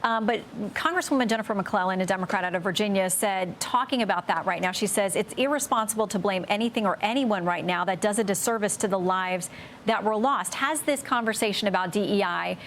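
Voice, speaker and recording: A woman, a TV news anchor, asking clear, structured interview questions. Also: mid-range voice, fairly quick, a little hiss or hum.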